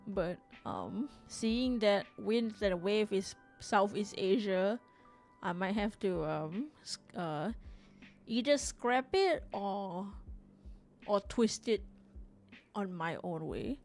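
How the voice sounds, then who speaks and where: Woman, from Singapore, live-stream host, casual rambling chat, mid pitch, faint background music. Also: animated, slow pace, darkish tone. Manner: chatty, rambling, reads chat aloud, frequent restarts and laughs. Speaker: livestream artist host.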